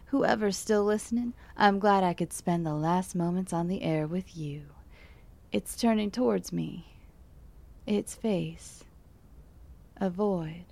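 An actress playing a calm, wry late-night radio DJ who keeps a steady on-air delivery. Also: female voice, mid-range voice, gravelly. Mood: awed, then hushed. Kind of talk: radio drama acting.

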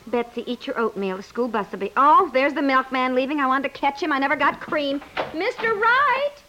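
A woman's voice: high voice, lively intonation, a little fast. An actress playing a bustling, chatty, easily flustered young housewife and mother in a 1950s radio comedy. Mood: bustling, hurried. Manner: chatty, bustling, calls out to others. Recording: noisy old 1950s radio recording.

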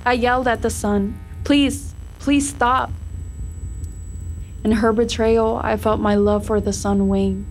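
A woman voicing an earnest young maize plant reborn as a human, narrating a first-person story in a deliberate, emotive way. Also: mid-range voice, flat delivery, darkish tone, slight background noise, close to an everyday voice. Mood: pleading. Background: music.

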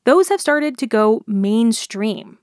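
A woman reporter narrating a radio news feature in a clear, steady way. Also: on the high side, slow, no echo, clean studio sound.

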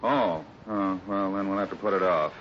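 An actor playing a steady, fatherly cowboy foreman with an American accent, in 1950s radio adventure style. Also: low-pitched, moderate pace, close to an everyday voice. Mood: thoughtful. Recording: noisy, dull 1950s radio recording.

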